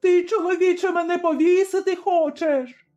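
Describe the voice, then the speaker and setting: A man putting on a vicious innkeeper woman who shrieks threats in a coarse, high voice. The storybook reading has a soft, mellow tone and sounds a little dull, with faint music underneath. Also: drawn-out words. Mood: terrified. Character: furious middle-aged female innkeeper, cruel and shrill.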